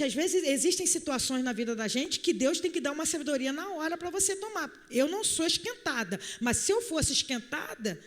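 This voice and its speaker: A woman preacher, telling a personal story in a chatty sermon and speaking straight to the congregation. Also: sits high. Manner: chatty, animated, addresses the congregation directly. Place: church hall. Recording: long hall reverb.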